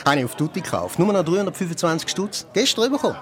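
A young man with a Swiss German accent playing an excited, chatty friend bragging about a bargain in a radio play. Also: high voice, fast. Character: eager young man Michi, boastful bargain hunter. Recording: music bed underneath.

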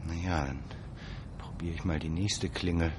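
An actor playing a kindly young man standing in for Santa, gently chatting to his reindeer and a boy. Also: sits low, fairly even intonation, moderate pace, noisy background, natural voice. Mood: gentle.

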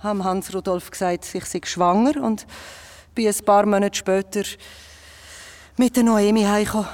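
An actress playing a mother who makes a halting confession. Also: mid-range voice, steady tone, a little mellow, lightly acted.

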